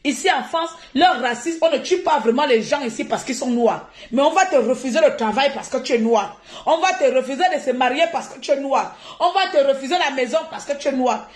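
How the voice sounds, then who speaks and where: A woman from Gabon, talking on a live stream in an animated, indignant way and laughing often. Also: high voice, a little fast, few pauses, reverberant.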